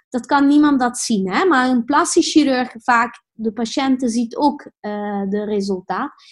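In an Italian accent, a woman with a high pitch speaks at a fairly slow pace with lively intonation. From Italy. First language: Italian (speaking Dutch). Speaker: plastic surgeon. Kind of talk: interview. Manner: halting.

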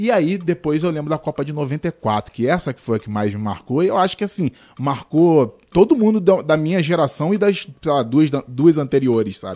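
A dark, mellow tone with very wide pitch swings at a moderate pace, over a quiet background. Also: man, fairly high pitch for a man. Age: 30s. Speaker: podcast guest, football fan. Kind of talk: casual chat.

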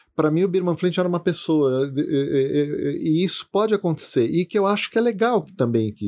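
Heard dry and close with no echo, a man talks in a dark, mellow tone at a moderate pace. His pitch swings very widely. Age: 50s. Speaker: novelist. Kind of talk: interview.

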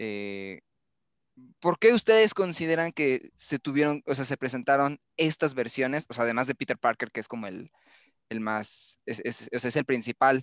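This man has an ordinary speaking voice at a medium pitch. His intonation is lively and his pace is moderate. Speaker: podcast host. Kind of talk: casual chat. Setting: video call.

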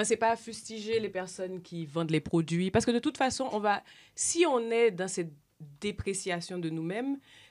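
A woman with a plain, everyday voice speaks at medium pitch and a moderate pace, with ordinary pitch variation. The recording is very clean, with a silent background. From Haiti. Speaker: filmmaker. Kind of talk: casual chat.

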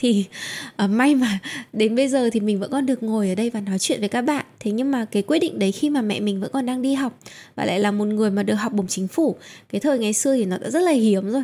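At a very fast pace, a woman with a fairly high, somewhat breathy voice and a dark, mellow tone speaks with ordinary pitch variation on a very clean recording with a silent background. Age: 30s. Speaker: podcast host, mental health coach. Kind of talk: monologue podcast.

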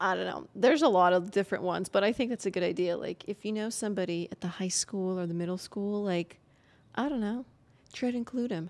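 Talking at a very fast pace, a woman speaks with ordinary pitch variation. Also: medium pitch for a woman, very clean recording, silent background. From Bosnia. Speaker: podcast guest, host's sister. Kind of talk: casual chat.

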